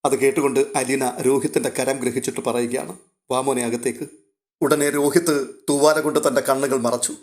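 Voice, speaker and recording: A man reading a scripted, literary audio story in a measured, emotive way. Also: mid-range voice, steady tone.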